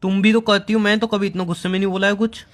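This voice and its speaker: A man's voice: high voice, flat delivery, racing, a bit bright. A man on a phone call with his girlfriend, defensive and exasperated, asking what went wrong. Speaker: boyfriend on a call. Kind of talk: heated phone argument.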